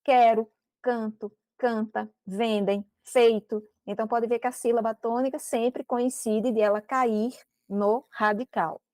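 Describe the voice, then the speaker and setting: A woman with a Brazilian Portuguese accent teaches grammar in a recorded class, walking through each point patiently. Her voice sits a little high, and the sound is close and dry with no room around it. She keeps tagging her explanations with quick checks to the listener. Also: steady tone, darkish tone, no echo. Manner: explains step by step, with frequent checking "né?" and "ok?".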